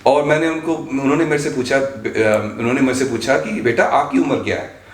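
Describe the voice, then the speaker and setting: A man's voice: mid-range voice, brisk. Man in his fifties, storytelling in echoey room. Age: 50s. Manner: mixes Hindi and English, storytelling with restarts. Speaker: guest trainer. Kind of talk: casual interview chat.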